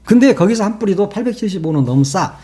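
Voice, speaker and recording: A man's voice: sits high, lively intonation, fast talker, mellow, husky. A man hosting his own political commentary channel, talking casually in a mocking, sarcastic way and laughing at his own jokes.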